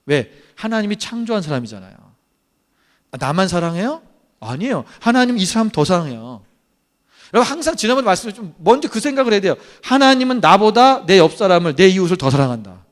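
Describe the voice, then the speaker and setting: A man's voice: high-pitched, fast talker. A man preaching a sermon as pastor, acting out quoted complaints and often calling out to the congregation. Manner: animated preaching, acts out quoted complaints, keeps addressing the congregation. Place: church.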